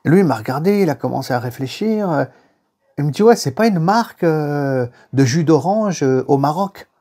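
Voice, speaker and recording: A French-born man giving an animated religious lesson, telling anecdotes and repeating phrases for emphasis. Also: a little high, normal speed. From France. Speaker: religious teacher. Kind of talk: lively lecture on faith and history.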